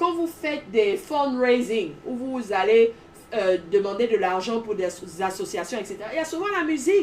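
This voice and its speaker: An animated woman's voice, fairly high-pitched, with very wide pitch swings and noticeable background noise. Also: moderate pace. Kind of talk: preaching advice talk.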